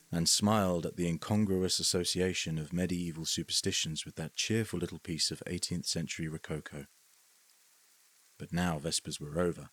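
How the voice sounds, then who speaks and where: A man reading a horror story aloud as scripted narration, measured and sometimes sinking to a hush. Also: low voice. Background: faint music.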